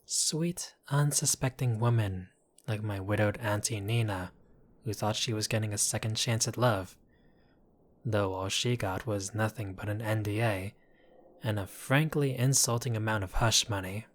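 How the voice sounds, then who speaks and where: A man's voice: lowish voice, moderate pace, lightly acted. A man playing a chatty, apologetic mafia boss in an audio roleplay, talking to the listener in a wry, exasperated, placating way. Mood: indignant, gossipy. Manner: conversational, wry, placating, theatrical asides.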